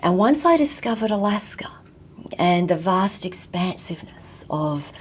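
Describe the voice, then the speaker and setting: A woman from Vietnam, raised in Australia, giving a slow, reflective talk and often dropping to a near whisper. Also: fairly low pitch, big pitch swings, slight background noise. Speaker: guest teacher.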